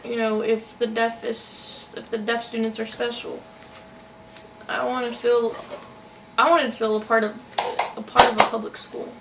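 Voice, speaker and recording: Female interpreter voicing a signed account, halting delivery, creaky voice, picked up from a distance with faint noise. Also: a little high, little pitch movement, fairly bright tone. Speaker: sign-to-voice interpreter. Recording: noisy, distant microphone.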